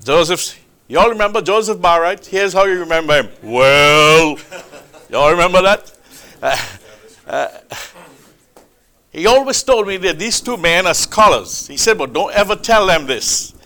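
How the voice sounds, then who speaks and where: A man preaching a sermon, with a loud, booming, emphatic delivery, speaking into a microphone in a church hall. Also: expressive, unhurried. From Trinidad. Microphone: handheld or stand mic.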